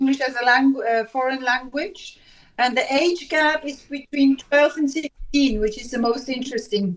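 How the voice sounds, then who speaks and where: High-pitched female speech, moderately paced, with ordinary pitch variation. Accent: German. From Switzerland. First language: German. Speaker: schoolteacher. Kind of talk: casual chat. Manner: halting.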